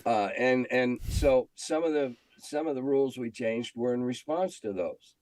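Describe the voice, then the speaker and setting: A man's voice: mid-range voice, moderate pace, a little mellow, a little hiss or hum, poor audio. An older American man reminiscing in an interview in a blunt, salty, opinionated way. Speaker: veteran game editor being interviewed.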